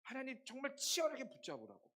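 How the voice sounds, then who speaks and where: Hoarse, animated young male preacher. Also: very high voice, quick pace, slight background noise. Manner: lively storytelling, rhetorical questions to the congregation. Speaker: youth pastor. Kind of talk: sermon.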